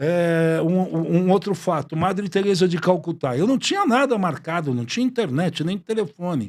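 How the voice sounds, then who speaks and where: At a moderate pace with hardly any pauses, the speech carries lively intonation on a very clean recording with a silent background. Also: man, high pitch for a man. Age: 60s. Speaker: journalist. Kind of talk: casual interview storytelling.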